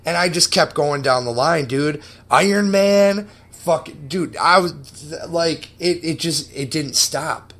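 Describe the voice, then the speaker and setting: A young man hosting a podcast, casually telling a story with excited, profane enthusiasm. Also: fairly high pitch, takes it slowly, hardly any pauses. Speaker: podcast host.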